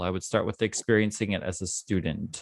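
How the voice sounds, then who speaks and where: In a dry, close sound with no echo, a man speaks in a normal speaking voice. His pace is fairly quick. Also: very clean recording, silent background. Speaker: Spanish teacher and teacher trainer. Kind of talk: casual chat.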